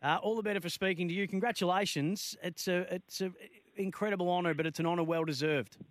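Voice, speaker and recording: A man's voice: high-pitched, steady tone, quick pace, no room sound. An Australian man presenting a live talkback sports radio show as its host, close on a studio microphone.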